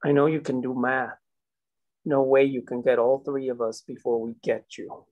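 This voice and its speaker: A coal company enforcer leans on a woman with smooth, condescending menace, as a man reads the part at a table read. His voice sits at an ordinary middle pitch. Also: fairly even intonation, normal speed, highs cut off, close to an everyday voice. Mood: cold.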